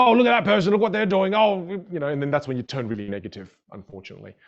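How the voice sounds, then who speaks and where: A man's voice: mid-range voice, a little mellow, lo-fi sound. A man whose first language is a Chinese dialect teaches public speaking in a live online masterclass, upbeat and greeting viewers in the chat.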